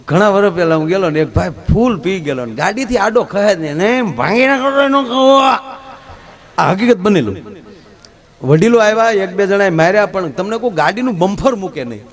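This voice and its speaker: A man telling folk jokes on stage, acting out the lines of the people in his stories and then turning to earnest moral advice. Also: high-pitched. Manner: storytelling, acting out dialogue, turns preachy and rousing. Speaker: folk comedian and storyteller.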